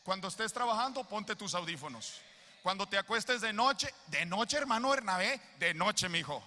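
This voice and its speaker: Male preacher, high and bright, impassioned, rises to shouts; reverberant hall. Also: animated, moderate pace. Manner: impassioned, builds to shouting peaks. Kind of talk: sermon. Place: large hall at a youth gathering.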